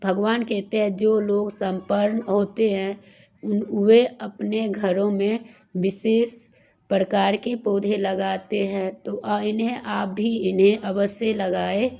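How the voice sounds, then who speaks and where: A woman with a cold-roughened, hoarse voice tells a devotional story at an unhurried pace. Her pitch stays flat and level throughout, and she rambles a little with restarts and fillers, speaking to her viewers as friends. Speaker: devotional YouTuber.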